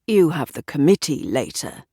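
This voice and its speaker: A woman voicing a sad, weary husband who speaks quietly and pleadingly. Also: deep voice, big pitch swings, normal speed, slightly rough, dry recording, studio quality, exaggerated voice.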